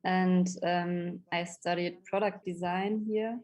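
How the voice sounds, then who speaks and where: A woman from Germany introduces herself over a video call. She speaks slowly and in a lowish voice, shy and hesitant, often stopping to search for the right words. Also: fairly even intonation, a little mellow. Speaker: participant.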